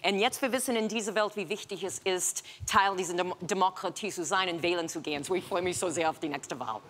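A woman's voice: on the low side, a bit bright. A middle-aged woman from the US, a native English speaker, chatting in German with an American accent and searching for words. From United States. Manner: halting, searching for words with learner's grammar. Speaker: show panelist. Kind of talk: casual chat.

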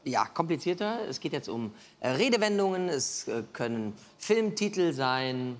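Lively game show host. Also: mid-range voice, normal speed. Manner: chatty, questioning. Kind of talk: live game show presenting. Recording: music and audience sound behind. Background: music and crowd.

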